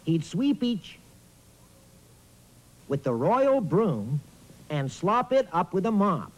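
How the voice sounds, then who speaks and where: A man's voice: high-pitched, sing-song, takes it slowly, heavily acted. A man voicing a talking boot puppet on a children's reading show, eager and hammy, hesitating as he talks straight to young viewers. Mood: theatrical. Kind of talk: children's reading lesson, playful recitation.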